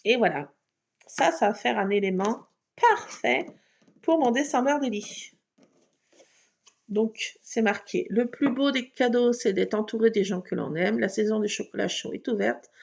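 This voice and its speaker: A woman's voice: fairly high pitch, measured pace, vocal fry, a little mellow. A woman chatting playfully and mocking herself while she shows a scrapbooking craft. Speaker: craft video maker. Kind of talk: casual crafting tutorial.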